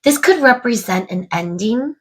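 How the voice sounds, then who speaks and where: Speaking at a moderate pace in a slightly high, animated voice with a breathy edge, a woman does a casual tarot reading to camera. She muses aloud to spirit and viewers, a bit congested from a cold.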